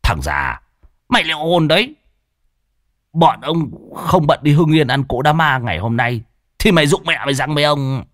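A man's voice: deep voice, expressive, fast, sharp tone, no room sound, studio quality, full character voice. A man voicing a grumpy bald old man who mutters threats. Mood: threatening. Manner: gruff, threatening.

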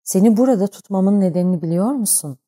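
A woman's voice: medium pitch, fast, dark tone, slightly rough, close to an everyday voice. A woman voicing a harsh, domineering male ship captain who barks and scorns in an audiobook. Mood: calm, probing. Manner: barking, scornful.

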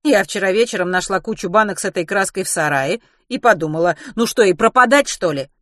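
A woman's voice: medium pitch, brisk, a bit bright, no echo, studio quality, close to an everyday voice. A woman voicing an easygoing, kindly housewife with a casual, unbothered manner in an audiobook story.

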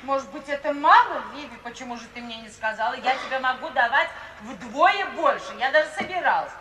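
A woman's voice: high-pitched, animated, brisk, bright, forceful tone. An actress playing an emotional, coarse-edged middle-aged mother in a 1950s radio play, plaintive and exclamatory. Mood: anxious, coaxing. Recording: distant, roomy old radio recording, hiss.

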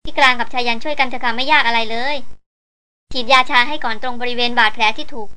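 A woman voicing a brave young woman who calms a wild elephant, speaking in a soft, coaxing manner. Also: a little high, quick pace, clear, resonant tone. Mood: explaining.

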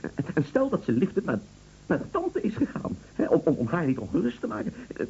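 A man's voice: high voice, wildly swooping pitch, a little fast, creaky, mellow, husky, exaggerated voice. An actor playing an earnest, anxious friend in a Dutch radio play, stammering as he reasons and tries to reassure. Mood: anxious, reassuring. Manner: hesitant, stammering, pleading reassurance. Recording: dull, noisy old radio recording.

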